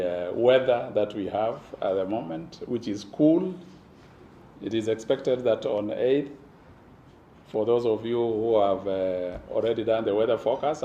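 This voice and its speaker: Hoarse official speaking slow and low, mellow tone, echoey hall. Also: male voice, lo-fi sound, a little hiss or hum. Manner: slow, pausing, audience-engaging. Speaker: government official giving a speech. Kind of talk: formal public speech. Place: event venue. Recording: echoey room with faint ambience.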